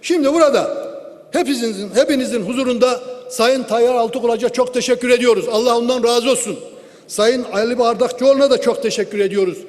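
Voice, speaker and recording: A man giving a forceful political speech from the rostrum, speaking into a lectern microphone in a large hall and asking rhetorical questions. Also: very high voice, a little fast. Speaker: member of parliament giving a speech. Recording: long hall reverb.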